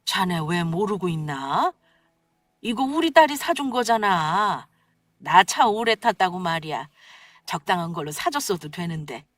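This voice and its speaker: An older mother, gentle and a little puzzled, speaks slowly and evenly in a story reading, as a woman puts her on. Her voice sits a bit lower than the narrator's. The recording is dry and close. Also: animated, no room sound.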